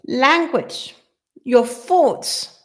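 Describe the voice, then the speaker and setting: Slow-speaking woman. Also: high-pitched, expressive. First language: Danish. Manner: earnest, repeats and restarts phrases. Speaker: business coach. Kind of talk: live workshop talk.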